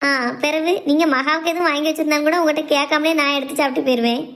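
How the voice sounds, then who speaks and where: A brisk, caring young friend, played by a woman. She talks fast and high, coaxing and reassuring. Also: steady tone. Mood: chatty. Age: young adult.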